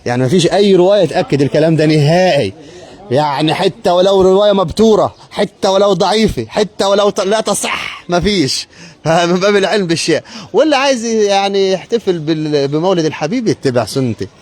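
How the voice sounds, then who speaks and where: A man talks at a racing clip in a fairly high voice, tossing blessings to passersby. Between greetings he slides into preachy asides. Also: quick pace, a little mellow. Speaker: street vlogger. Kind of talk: casual street vlog with religious musings.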